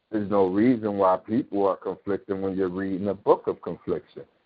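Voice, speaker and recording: Moderate pacing from a man with a fairly low pitch and a monotone, flat intonation. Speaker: radio talk show host. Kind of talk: casual discussion.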